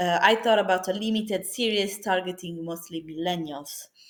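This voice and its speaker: Heard in a very clean recording with a silent background, a woman with a non-native accent speaks at medium pitch with ordinary pitch variation. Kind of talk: class presentation pitch. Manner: hesitant, many fillers.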